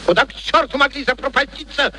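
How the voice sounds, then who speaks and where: High, sharp, blustering arrogant gentleman. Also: fast talker, slight background noise, exaggerated voice, rough recording. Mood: irritated, scornful. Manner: blustering, haughty, exclamatory. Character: arrogant, irascible gentleman bully, scornful and imperious. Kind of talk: classic Russian radio play acting.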